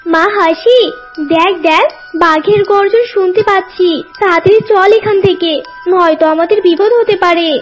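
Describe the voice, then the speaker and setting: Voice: extremely high pitch, normal speed. A performer voicing an anxious, motherly doe auntie in a children's cartoon, in slightly dull sound with music behind. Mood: alarmed. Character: anxious, fussing motherly doe, aunt to a duckling.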